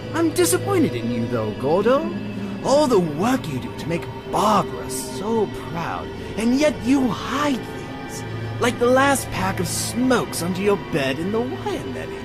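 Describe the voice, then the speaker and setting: In an audio drama, a male actor with a high voice plays a sadistic, theatrical clown villain. He taunts the way a stage comedian would.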